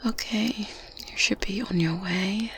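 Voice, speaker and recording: Slow, whispering kindly witch played by a woman. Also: medium pitch, natural voice. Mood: fond. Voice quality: breathy, whispered. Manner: gentle, unhurried, coaxing, little hums. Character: kindly good witch, gently teasing, motherly and reassuring. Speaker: ASMR roleplay performer. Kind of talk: softly spoken whispered ASMR roleplay. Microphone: close binaural microphone. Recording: close binaural mic with faint ambience noise. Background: medieval ambience sounds.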